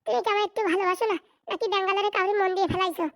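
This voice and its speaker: A clingy, suspicious cartoon wife pleads and needles in a very high, chipmunk-like voice. She talks fast. The sound is close and dry. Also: fairly even intonation, no room sound. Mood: reproachful. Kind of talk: sped-up cartoon voice acting.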